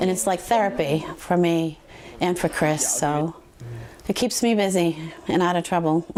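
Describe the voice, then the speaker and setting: A woman at a fairly low pitch and moderate pace, with long, frequent pauses, ordinary pitch variation and very even loudness, over noticeable background noise. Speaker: school volunteer with therapy dog. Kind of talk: interview. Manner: soft-spoken.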